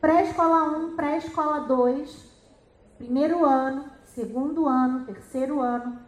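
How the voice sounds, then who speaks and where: A middle-aged woman, an educational psychologist and teacher, walks teachers through reading lessons in a high voice. She is lively and a little slow, and she keeps posing rhetorical questions. The room is spacious and echoey.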